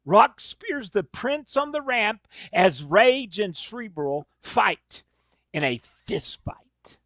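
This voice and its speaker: A man's voice: high voice, big pitch swings, slow, a bit bright, no echo. A man reading scripted narration of wrestling scenes for a staged reading. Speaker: reader of stage directions.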